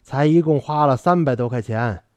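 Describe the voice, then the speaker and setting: A man reading aloud and voicing a weary, gentle old male scholar who talks softly and earnestly in an audiobook. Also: mid-range voice, moderate pace, no room sound, lightly acted. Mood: earnest pleading. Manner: soft-spoken, earnest pleading. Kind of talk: audiobook character voice.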